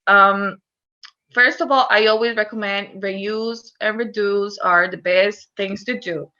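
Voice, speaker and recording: A woman's voice: mid-range voice, fairly even intonation, slow, sharp tone, highs cut off. A woman from Costa Rica with a Costa Rican Spanish accent, giving an earnest online talk on recycling with frequent fillers. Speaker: recycling educator. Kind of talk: online presentation.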